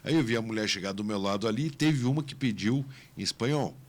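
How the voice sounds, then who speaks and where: A man's voice: on the low side, a little fast. A man hosting a radio interview, chatty and fond of anecdotes. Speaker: radio host.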